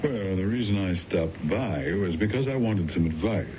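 An actor playing a polite, hesitant family friend who quietly pries, in a 1970s radio drama. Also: male voice, animated. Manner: halting, tentative. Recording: dull, noisy old radio broadcast with rumble.

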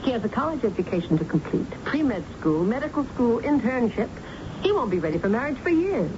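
A woman's voice: fairly high pitch, very animated, a little fast. An actress playing a well-to-do, controlling middle-aged mother with polished diction in a radio drama. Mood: cold, firm. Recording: muffled, noisy old radio broadcast.

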